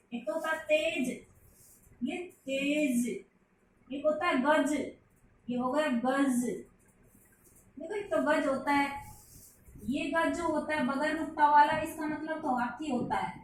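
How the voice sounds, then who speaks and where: A woman with a high voice gives a patient grammar lesson, going over each point again for her young students. She sits back from the microphone. The room rings with heavy echo under a faint hiss. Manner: patient, repeats points, calls listeners child. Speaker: Hindi teacher. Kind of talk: classroom lesson explaining to children. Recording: very echoey room, mic at a distance, faint hiss.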